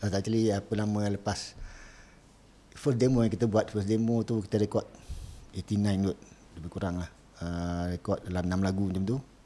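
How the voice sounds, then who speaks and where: A man with a fairly low pitch and a dark, mellow tone speaks at a moderate pace. His intonation stays fairly even, broken by long, frequent pauses. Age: 50s. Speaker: metal musician; guest. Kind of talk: casual chat. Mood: relaxed, smiling. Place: home room. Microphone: studio mic.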